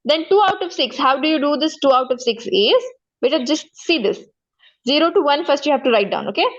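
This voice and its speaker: A woman's voice: sits high, animated, fairly quick, muffled recording. A woman with a South Asian accent teaching maths one-to-one step by step, repeating herself and often checking that the pupil follows. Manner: repetitive, frequent check-in questions. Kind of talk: one-to-one lesson, explaining step by step.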